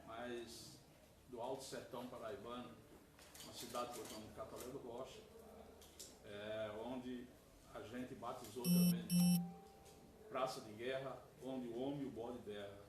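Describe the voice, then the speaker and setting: A man's voice: mid-range voice, unhurried, pauses often. Guy from paraiba telling where he's from, far from the mic, super echoey room. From Paraíba, Brazil. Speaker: activist. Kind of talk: introducing himself. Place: indoor room.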